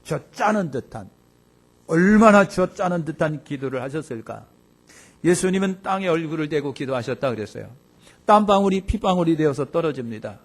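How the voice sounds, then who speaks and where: A man preaching a sermon as pastor. He swings between loud exclamations and quiet asides. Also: expressive, a little fast. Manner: acts out quoted speech in a lower voice.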